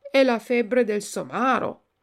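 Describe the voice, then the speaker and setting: A woman voicing a kind, wise little female marmot in a storybook, speaking gently and gravely. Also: a little high, lively intonation, takes it slowly, voice pushed up.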